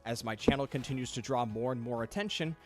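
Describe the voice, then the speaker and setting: A man reading a scripted video essay, measured and reflective, critical in tone. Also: medium pitch, soft background music. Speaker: commentary channel host.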